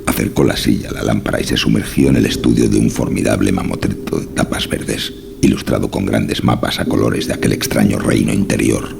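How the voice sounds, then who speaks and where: A man narrating a horror story from a script, with measured, literary storytelling. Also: rumbling low, background noise. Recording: music behind the narration. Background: clearly audible music.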